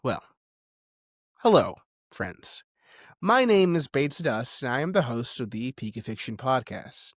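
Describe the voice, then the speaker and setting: A man hosting a video essay, speaking in a conversational, emphatic way with dramatic pauses. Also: mid-range voice, no echo, clean studio sound. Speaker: podcast host and video essayist.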